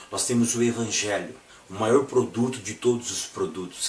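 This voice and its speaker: A low-voiced Brazilian man speaks with the hoarse, congested sound of a flu and a swollen throat. He teaches a Bible lesson didactically, repeating phrases and asking rhetorical questions. He is picked up from a distance in an echoey room. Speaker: Bible school teacher and preacher. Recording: echoey room, distant mic, faint noise.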